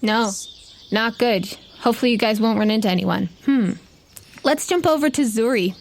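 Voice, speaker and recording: A woman's voice: on the high side, normal speed, a little hiss or hum. A woman game master improvising narration for a tabletop roleplaying game in a casual, conversational way. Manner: casual, conversational, uses "like" often.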